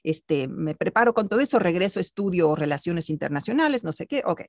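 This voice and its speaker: A woman's voice: lowish voice, a little fast, no room sound, clean studio sound. A middle-aged woman from Mexico City, born in Italy, telling her story as an interview guest over a video call. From born in Italy, raised in Mexico City. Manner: animated, gestures while telling stories. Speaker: guest, actress and voice artist. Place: home room with bookshelf.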